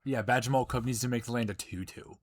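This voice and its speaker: A man's voice: medium pitch, steady tone. A man commentating a card game in casual chat, joking with his co-host. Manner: chatty, joking, quick back-and-forth.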